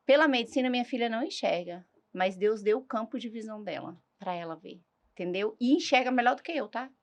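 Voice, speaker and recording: A woman giving a personal faith testimony as a talk show guest, in an animated storytelling manner that reenacts dialogue. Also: on the high side, fast.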